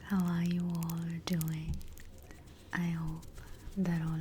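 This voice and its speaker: A woman's fairly low-pitched voice at a very slow pace, with noticeable background noise. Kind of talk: ASMR tea collection showcase, soft whispers. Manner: soft-spoken, whispered, gentle.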